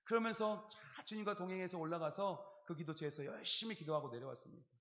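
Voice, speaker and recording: A male pastor preaching in a fairly high voice, telling a personal story with vivid acted-out inner thoughts. The sound is roomy, with the echo of a church sanctuary carrying each phrase. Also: lively intonation, quick pace, fairly bright tone. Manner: storytelling, acting out his own inner dialogue and singing hymn lines. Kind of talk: sermon. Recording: echoey church hall recording.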